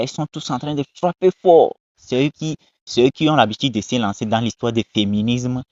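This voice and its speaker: A man's voice: mid-range voice, no room sound. A man giving casual, emphatic commentary on viral videos, repeating his points and moralizing. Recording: dull lo-fi dry sound.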